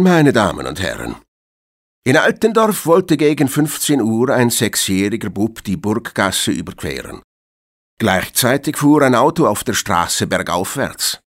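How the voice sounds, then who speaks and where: A man's voice: on the low side, a bit bright, heavily acted. A man playing a formal evening newsreader, delivering a scripted police report with emphasis. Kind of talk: scripted news bulletin.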